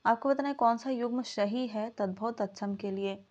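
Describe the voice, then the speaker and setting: Hindi teacher woman, measured and explanatory. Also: fairly high pitch, dull audio. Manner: reads out questions and options, then explains answers; signs off warmly asking viewers to comment. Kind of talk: exam practice lesson.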